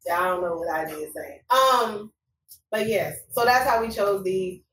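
A woman's voice: mid-range voice, moderate pace, a bit bright. Casual woman co-host, roomy distant sound. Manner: runs a playful quiz, laughs often. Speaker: podcast co-host. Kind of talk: casual chat over wine. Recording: roomy, distant mic, faint noise.

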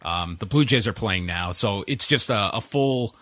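Chatty, sarcastic Canadian podcast host. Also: male voice, lowish voice, animated, normal speed, bright, forceful tone, dry recording. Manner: chatty, dry sarcastic humor. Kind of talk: casual chat.

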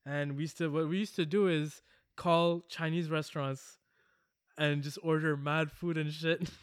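A man's voice: on the high side, steady tone, moderate pace, smooth, no echo, studio quality. A man co-hosting a podcast, telling stories in casual chat, laughing often and swearing as he rambles. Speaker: podcast co-host.

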